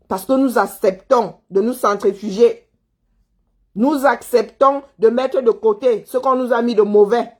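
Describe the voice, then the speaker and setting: A woman delivering a heated monologue, scolding a listener, repeating herself and firing rhetorical questions. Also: fairly high pitch. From Cameroon. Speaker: commentator answering viewers.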